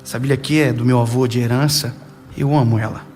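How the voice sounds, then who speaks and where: A young man from preaching a sermon, telling lively family stories with playful asides and slow, dramatic pauses. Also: mid-range voice, soft background music. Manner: animated, storytelling with playful asides and dramatic slowdowns. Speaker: pastor.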